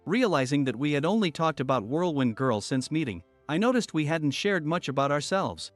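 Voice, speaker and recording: A man narrating a first-person story in a steady, even storytelling manner. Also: on the high side, normal speed, no echo. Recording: soft music bed under voice.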